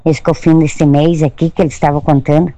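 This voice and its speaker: An older woman leaves a casual voice message, her mellow voice wandering as she searches for the right words. The sound is dry and close, with no room around it. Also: sits low, flat delivery, fast talker, dry recording. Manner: rambling, hesitant, searching for words. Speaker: caller sending a voice message.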